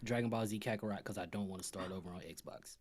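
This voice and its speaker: A man's voice: lowish voice, quick pace, darkish tone. A man talking casually in a gaming podcast conversation.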